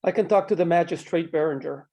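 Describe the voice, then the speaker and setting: A man playing a calm, persistent small-town mayor in a screenplay table read, measured and probing. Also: a little high, lightly acted.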